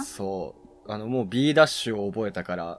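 A man's fairly quick, lively speech in a Kansai accent. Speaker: game streamer. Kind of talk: casual let's-play commentary.

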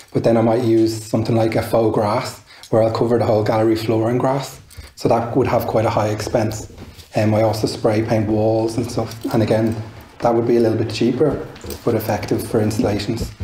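A man with an Irish accent talks fairly quickly in a flat monotone at a very even loudness, with audible room echo and light background noise. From Ireland, Wicklow. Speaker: visual artist. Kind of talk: interview. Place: studio.

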